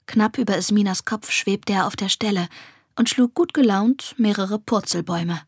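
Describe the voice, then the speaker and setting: A woman narrating a children's fantasy story softly and expressively, often dropping to a whisper. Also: mid-range voice, moderate pace, slightly rough, no room sound, clean studio sound. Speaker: audiobook narrator.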